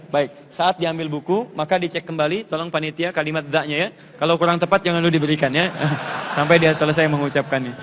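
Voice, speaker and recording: A man with a fairly high voice preaches and teaches Quran pronunciation in a big hall. He talks animatedly and drills the sounds again and again. His voice trails off into a long hall reverb. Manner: animated, demonstrates letter sounds by repeating them; coaches audience volunteers in front of a crowd. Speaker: Islamic preacher.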